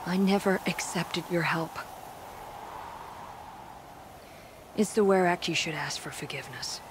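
An actress playing a proud, stubborn young tribal hunter in a video game, speaking tersely and solemnly. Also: female voice, fairly low pitch, fairly quick, noisy background, close to an everyday voice. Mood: strained, resolute. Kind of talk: dramatic video game acting. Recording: loud music behind. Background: game score music.

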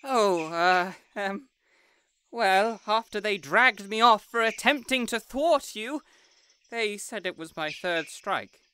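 A man's voice: high-pitched, animated, slow, pushed and bright, a little hiss or hum, exaggerated voice. A man voicing an indignant, insecure young superhero in an audio roleplay, whiny, pompous and melodramatic. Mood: bitter. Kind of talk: scripted audio roleplay acting.

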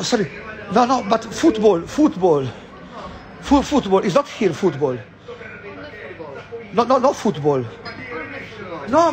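A man, vlogging outdoors on a city street, agitated and swearing constantly, repeating himself with bursts of shouting. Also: high-pitched. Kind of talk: ranting street vlog.

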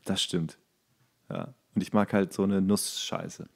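A man's voice: sits low, fairly even intonation, a little slow, creaky, a little mellow. A man co-hosting a podcast in casual comedic chat, talking in a crude, colloquial, jokey way. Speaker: podcast co-host.

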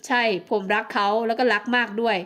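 A woman reading a romance audiobook, voicing a young man who quietly admits his fault. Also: on the high side, fairly even intonation, a little fast, clear, resonant tone, lightly acted. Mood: apologetic. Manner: quiet, apologetic. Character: remorseful young man, lover. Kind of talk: audiobook romance novel acting.

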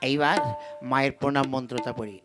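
Someone doing a sneaky greedy village priest puppet, mutters and chants, comic folk show, loud music behind. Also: medium pitch, steady tone, fast, lightly acted. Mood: sly muttering. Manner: calls out for customers, mutters slyly, botches chanted mantras. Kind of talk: Bengali folk puppet comedy acting.

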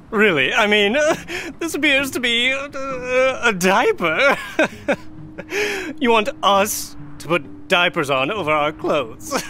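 A woman's voice: fairly high pitch, animated, slow pace, sharp tone, slight background noise, pitched above the performer's own voice, exaggerated voice. A woman voicing a baffled, polite guard in an audio drama, stammering and tittering. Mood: amused disbelief. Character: hesitant, giggly, baffled guard. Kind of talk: audio drama game character.

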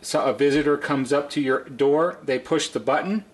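This middle-aged man has a fairly high voice and a moderate pace. Working at a bench in an indoor workshop, he gives an unscripted how-to demonstration, explaining each step plainly the way a repair technician would.

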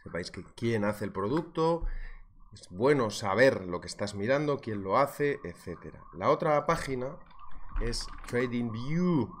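A man's voice: mid-range voice, expressive, unhurried. A man teaching a live trading webinar, joking and chatting as he reads viewer messages. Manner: jokey, chatty, reads viewer chat aloud. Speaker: trading instructor.

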